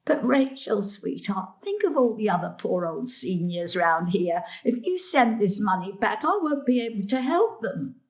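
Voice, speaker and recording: A mischievous old grandmother in a stage comedy-drama. She is sarcastic and theatrical, with a sharp tongue and a mid-pitched voice, forever needling her family. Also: sing-song, normal speed, few pauses. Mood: sly.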